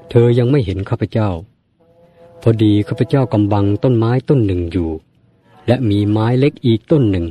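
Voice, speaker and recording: Mellow low-voiced male storyteller. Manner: measured, formal storytelling delivery. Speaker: audiobook narrator. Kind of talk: scripted story narration.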